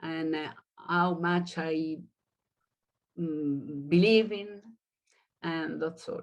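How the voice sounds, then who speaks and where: A woman with an Italian accent, fairly low pitch and ordinary pitch variation, at a very slow pace with long, frequent pauses. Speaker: participant in group discussion. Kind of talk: casual group discussion. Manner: halting.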